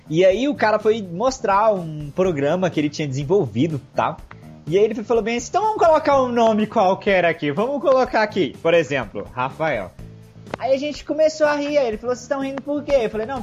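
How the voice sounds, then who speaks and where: A young man with a Brazilian accent co-hosting a casual podcast chat, telling stories in an animated way and acting out the people in them. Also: high voice, highs cut off. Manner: animated storytelling, acts out voices in anecdotes. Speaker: podcast co-host.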